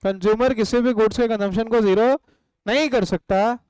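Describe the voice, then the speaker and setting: A man with an Indian accent teaching an online economics class in a high, clear voice. He asks questions and answers them himself, and he sometimes dictates notes word by word. The recording is close and dry. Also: steady tone, moderate pace, darkish tone, no room sound, poor audio. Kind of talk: live online class lecture.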